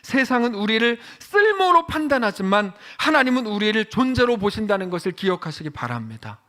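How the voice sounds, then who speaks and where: High, bright-voiced preaching pastor. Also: male voice, sing-song, fairly quick. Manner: impassioned preaching, swinging between loud high outbursts and low quiet stretches; reads scripture aloud and voices God's words directly to the listener. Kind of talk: sermon.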